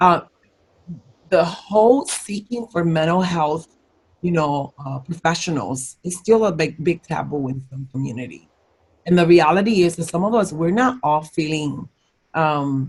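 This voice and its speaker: A woman speaks with a Puerto Rican accent in a fairly low, somewhat breathy voice. Her pace is fairly slow and her intonation lively. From Puerto Rico. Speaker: social worker and professor. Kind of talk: podcast interview.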